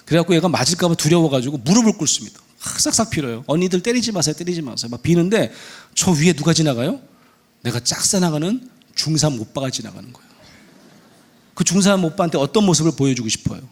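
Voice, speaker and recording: Animated pastor man, lively storytelling. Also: on the high side, quick pace, husky. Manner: animated storytelling, acting out dialogue in voices. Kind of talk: sermon with acted-out stories. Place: church sanctuary.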